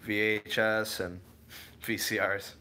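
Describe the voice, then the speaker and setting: Hosting a laid-back tech livestream, a young man from around Cleveland, USA, answers commenters by name, wandering off topic and correcting himself as he goes. He takes it slowly, with a fairly low pitch, flat delivery, and a sharp tone.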